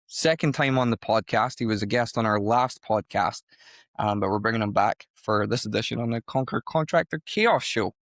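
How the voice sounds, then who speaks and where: A man's voice: mid-range voice, a bit bright, no echo, studio quality. Upbeat man hosting a podcast. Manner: upbeat, enthusiastic, chatty. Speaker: podcast host. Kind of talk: casual podcast interview.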